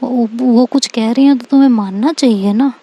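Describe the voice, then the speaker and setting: A woman's voice: fairly high pitch, normal speed, warm tone, dull audio. A woman voicing a teasing teenage schoolgirl, in a told story.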